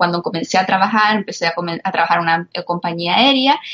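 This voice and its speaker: A woman with a Canarian accent speaks with ordinary pitch variation. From Canary Islands. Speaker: writer and former local politician. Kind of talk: interview. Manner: halting.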